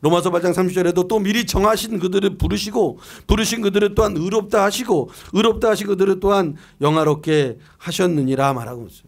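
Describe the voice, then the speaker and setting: A middle-aged pastor preaches a year-end sermon, reading scripture aloud and asking and answering his own questions conversationally. His voice is high-pitched with vocal fry, and he talks fast with hardly any pauses.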